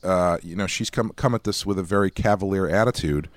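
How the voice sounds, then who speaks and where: A man's voice: low voice, fairly quick, dry recording. A man co-hosting a podcast in casual chat, hesitant and often restarting his sentences. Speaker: podcast co-host.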